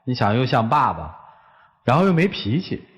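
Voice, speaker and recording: A man's voice: medium pitch, big pitch swings, moderate pace, big-room sound, muffled recording. A man hosting a talk show, asking wry, teasing questions of the couple.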